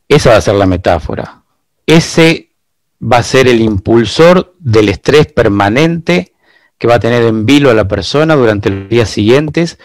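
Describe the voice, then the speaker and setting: A man, a guest expert giving long, measured explanations in an interview, full of rhetorical asides. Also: fairly low pitch, dry recording. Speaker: guest expert on biological decoding.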